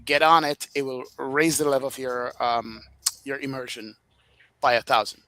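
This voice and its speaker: A man with a Jamaican accent, a flight sim streamer telling a lively story in a casual podcast chat, laughing often. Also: mid-range voice, normal speed, no room sound.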